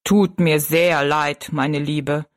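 A woman's voice: low voice, fairly even intonation, dry recording, studio quality, voice pushed down. A woman voicing a tall, thin, dignified male circus giant who speaks with courtly politeness. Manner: courtly and slow, bowing politeness.

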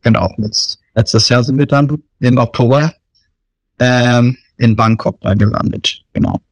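A man's voice: mid-range voice, measured pace, no echo, rough recording. A man in his thirties, born in Germany, answering interview questions in a hesitant, casual way with many fillers. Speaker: missionary interview guest.

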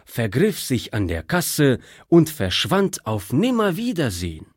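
A man's voice: mid-range voice, wildly swooping pitch, measured pace, slightly rough, dry recording, studio quality, pitched above the performer's own voice, exaggerated voice. A man voicing a young German prisoner of war who speaks politely and thoughtfully. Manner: polite, apologetic.

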